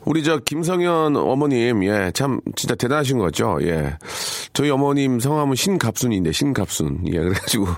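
Guy radio host, super animated voice, dry close studio mic, chatty. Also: mid-range voice, fairly quick, few pauses, no room sound. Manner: chatty, animated, reading listener texts aloud. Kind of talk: live radio call-in chat.

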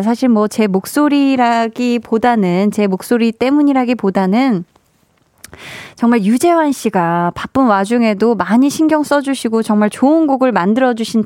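A woman's voice: a little high, warm tone, no room sound. Cheerful woman radio DJ, dry studio sound. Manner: cheerful, encouraging. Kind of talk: late-night radio chat, reading listener messages. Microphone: studio microphone.

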